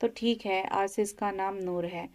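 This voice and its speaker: A woman's voice: mid-range voice, fairly even intonation, measured pace, darkish tone, lightly acted. A woman reading as a brooding young husband. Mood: earnest. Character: brooding young husband, tender with his grieving wife.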